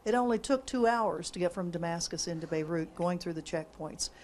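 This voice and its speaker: A woman's voice: lowish voice, fairly quick, darkish tone, slight background noise. A woman in the audience asking questions and adding a conversational comment. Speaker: audience member. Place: lecture room.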